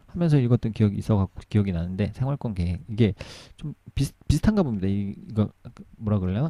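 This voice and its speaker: Male speaker with a dark, mellow tone and a fairly quick pace, in a dry, close sound with no echo. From Gyeongsang, South Korea. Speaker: real estate agent YouTuber. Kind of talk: casual storytelling; reading aloud with commentary. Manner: halting, self-correcting.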